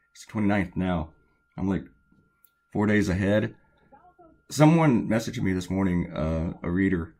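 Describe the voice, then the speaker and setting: A man with a very deep, slightly hoarse voice talks casually while he draws. He rambles through anecdotes with lots of fillers and restarts, in a weak, worn voice. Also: darkish tone. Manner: rambling, chatty storytelling with many fillers. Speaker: cartoonist. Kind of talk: casual chat while drawing.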